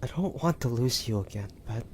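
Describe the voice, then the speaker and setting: A man playing a wounded, devoted young demon hunter in an audio drama, speaking in a halting, breathy, pained way. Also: medium pitch, expressive, very noisy, close to an everyday voice. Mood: tender, dying. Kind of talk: dramatic audio roleplay acting.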